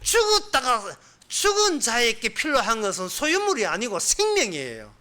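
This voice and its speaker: A man's voice: very high voice, huge pitch swings, normal speed, sharp tone. A male pastor with a Gyeongsang accent preaching a sermon in a colloquial way, full of rhetorical questions. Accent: Gyeongsang Korean.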